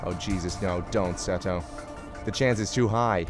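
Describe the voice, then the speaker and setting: A man playing a desperate man in an audio drama, urgently pleading with his friend in halting bursts. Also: low-pitched, over music, lightly acted.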